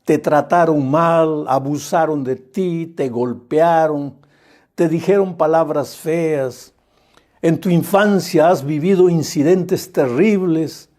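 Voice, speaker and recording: A male pastor preaches in a mellow, darkly warm voice. He speaks earnestly and in measured phrases, with short pauses, and talks directly to the listener as you. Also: a little high. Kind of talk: sermon.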